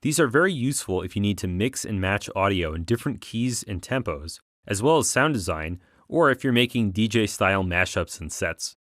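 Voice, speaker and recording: A man with a fairly low voice delivers scripted tutorial narration. He explains each step clearly, like an instructor guiding a learner through software. The recording is close and very dry, with no room sound. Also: lively intonation, a little fast, hardly any pauses, dry recording.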